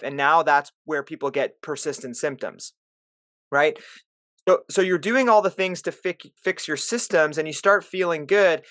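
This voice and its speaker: A man's voice: fairly high pitch, fairly bright tone, no room sound, studio quality. A middle-aged man, a podcast host and clinician, coaching callers on a live Q&A call with plain explanations and examples.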